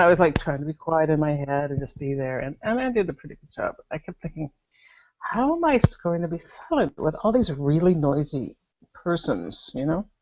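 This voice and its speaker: A woman's voice: deep voice, dull audio. A woman talking casually in a spiritual conversation, telling a story with lots of laughter and animation. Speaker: satsang participant.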